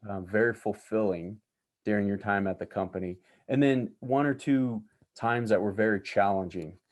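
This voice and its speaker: Male class host, lower voice, halting and searching for his words, on a video call. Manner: hesitant, searching for words, with many ums and restarts. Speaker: university instructor hosting a class. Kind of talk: class interview.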